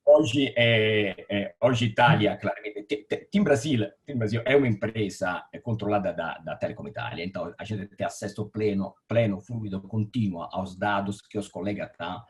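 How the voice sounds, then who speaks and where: A man's voice: lowish voice, normal speed, hardly any pauses. A man with an Italian accent, a telecom engineering director answering interview questions over a video call, often repeating words and restarting as he explains. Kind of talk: interview answers on a live stream.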